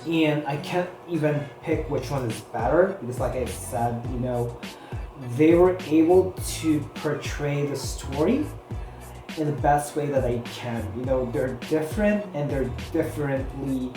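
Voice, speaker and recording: The voice is mid-range and a little mellow: a book reviewer from the Philippines with Filipino as her first language, talking casually to camera. She's rambling and chatty, saying "you know" and "like" a lot, amid echo and background music.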